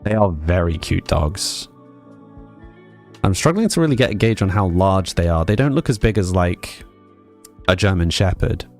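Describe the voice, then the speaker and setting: This young man's low-pitched, creaky voice carries an English accent that combines northern and southern sounds. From England with family in Scotland, he chats easily with his stream audience, rambling a bit and reading their messages aloud.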